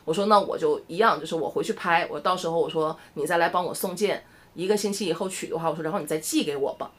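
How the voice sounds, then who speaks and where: A woman's voice: lowish voice, fast. A middle-aged woman from Shenyang with a Northeastern Mandarin accent, chatting animatedly to camera and telling a story. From Shenyang, northeast China. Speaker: vlogger. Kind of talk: casual chat to camera.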